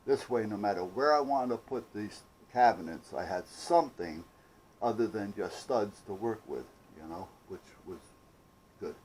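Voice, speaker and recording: A man's voice: on the low side, lively intonation, moderate pace, darkish tone, slight background noise, low-quality recording. A man talking in a casual, rambling, folksy way, like a DIY vlogger telling a story. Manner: folksy, salty-tongued, conversational.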